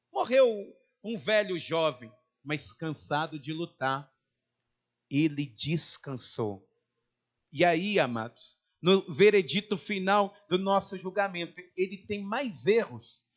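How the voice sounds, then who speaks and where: A man's voice: high-pitched, a bit bright. A man with a Brazilian accent preaching a sermon as pastor in a church, dramatic and questioning his congregation. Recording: dull lo-fi recording.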